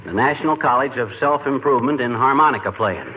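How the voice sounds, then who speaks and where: An actor playing a blustering, boastful middle-aged husband who talks in ungrammatical bluster, in 1940s radio comedy style. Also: male voice, mid-range voice, fast talker, close to an everyday voice. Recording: tinny old radio with clear hiss.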